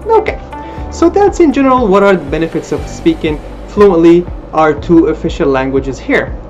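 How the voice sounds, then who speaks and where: Lively presenter, Armenian native, lo-fi webcam. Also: male voice, fairly high pitch. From Middle East, Arabic-speaking country. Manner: lively, expressive, gestures with hands. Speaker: language school presenter. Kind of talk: informational talk to camera. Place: small indoor room, plain wall. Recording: dull lo-fi webcam audio with music behind.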